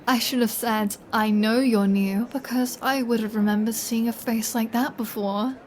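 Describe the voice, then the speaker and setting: A woman playing a flirty, playful vampire who teases in a chatty, self-assured way, as in an intimate roleplay audio. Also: fairly high pitch. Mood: flustered flirty. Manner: teasing, chatty, unhurried.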